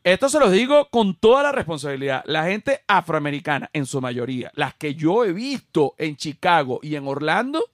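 A Venezuelan man with a Venezuelan Spanish accent hosts a podcast, trading blunt, slangy jokes in casual chat. His voice sits a little high for a man. The sound is dry and close. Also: big pitch swings, moderate pace, few pauses, no room sound. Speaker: podcast host.

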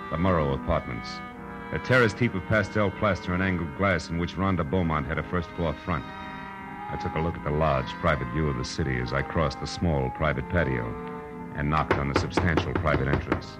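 A man's voice: very deep voice, a little fast, over music. An American man playing a sardonic, tough private detective in a 1940s radio drama, with clipped, wisecracking delivery. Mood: matter-of-fact narrating. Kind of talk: 1940s radio detective acting and first-person narration.

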